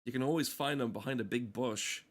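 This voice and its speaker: A man's voice: mid-range voice, a little fast. A man giving crude, comedic, rambling commentary while playing a game, swearing often. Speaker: gamer talking over gameplay.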